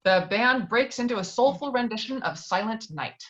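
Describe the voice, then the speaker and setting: A woman's voice: a little high, expressive, moderate pace, a bit bright. A woman narrating stage directions from a screenplay in a table read. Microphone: virtual table read over video call. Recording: dull lo-fi video call audio.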